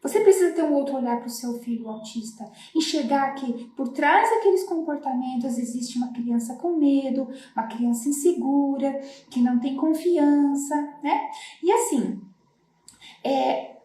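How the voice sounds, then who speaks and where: A woman's voice: high-pitched, expressive, moderate pace, dark tone, echoey room, a little hiss or hum. A middle-aged woman from Brazil, a floral therapist, talking earnestly to parents and explaining with many tag questions. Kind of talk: casual talk to parents.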